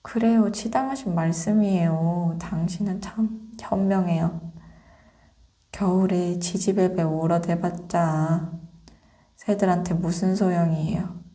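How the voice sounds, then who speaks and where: A woman voicing a fawning, agreeable field mouse in a soft ASMR fairy-tale reading, chatty and flattering. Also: lowish voice, measured pace, lightly acted. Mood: flattering, dismissive.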